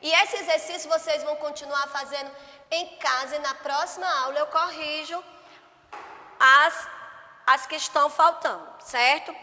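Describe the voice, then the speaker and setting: A woman teaches young children, drawing out each syllable and pausing often to check that they follow. Her voice sits high and bright, and she speaks slowly. A long reverb trails behind her words. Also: fairly even intonation. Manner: slow, drawn-out syllables, frequent "né?" and "certo?" checks. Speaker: primary school teacher. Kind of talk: remote class lesson.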